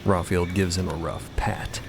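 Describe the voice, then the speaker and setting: A man's voice: deep voice, steady tone, unhurried, vocal fry, very noisy. A man narrating a fiction podcast in a wry, conversational storytelling style.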